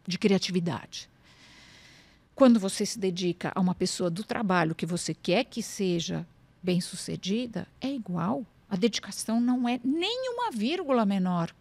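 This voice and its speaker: A woman's voice: mid-range voice, gravelly. A middle-aged woman with a Brazilian Portuguese accent speaks as a guest on an interview show. She talks earnestly and with emphasis, slipping into quoted dialogue as she tells her stories. The sound is dry and close, with no room echo. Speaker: lawyer and podcast guest. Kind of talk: conversational interview.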